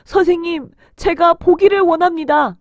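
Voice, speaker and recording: Blind beggar, acted by a woman: male character, high pitched, emotional and imploring, very animated, close dry sound. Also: moderate pace, no echo. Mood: moved. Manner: emotional, crying out pleadingly. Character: desperate blind beggar man, pleading, hopeful, then overjoyed. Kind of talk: dramatised children's Bible storytelling.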